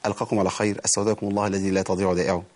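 A man with an Egyptian Arabic accent teaching Quran recitation on a TV show, explaining the rules in plain speech and reciting verses slowly and drawn out. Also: sits low, little pitch movement, a little mellow, a little hiss or hum.

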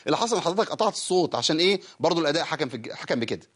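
Egyptian male Quran teacher, slightly high voice, firm corrections, slow melodic chanting of verse. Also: animated, a bit bright. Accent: Egyptian Arabic.

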